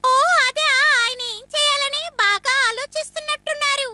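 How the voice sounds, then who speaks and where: High-voiced little cartoon cave boy. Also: normal speed, bright, forceful tone, soft background music, heavily acted. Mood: anxious. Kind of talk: cartoon dub acting.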